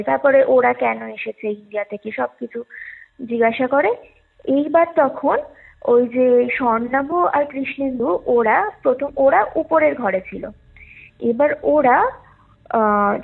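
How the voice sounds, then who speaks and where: A woman telling a story conversationally over a call, with hesitant, drawn-out and repetitive phrasing. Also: on the high side, creaky, husky. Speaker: caller telling a ghost story. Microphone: phone call. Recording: muffled lo-fi call with music underneath. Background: music.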